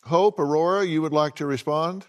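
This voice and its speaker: A man hosts a talk show debate and puts firm, accusing questions to his guests. His voice is smooth and resonant. It sits a little high for a man. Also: normal speed. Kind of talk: moderating a panel debate.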